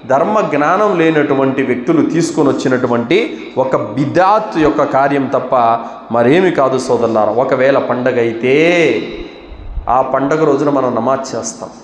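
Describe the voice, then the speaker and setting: A man giving a Friday sermon in a mosque, asking rhetorical questions and answering them himself, his voice swinging between raised exhortation and low, firm statements. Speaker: preacher. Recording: echoey mosque hall.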